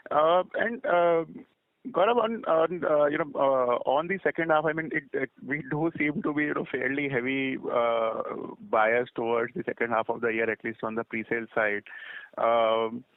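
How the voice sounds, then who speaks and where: Guy analyst on a phone call, mid pitch, dry thin sound, asks stuff in halting bits. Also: no echo. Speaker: analyst asking questions. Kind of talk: informal question on a conference call. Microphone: telephone. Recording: dry, narrow phone line.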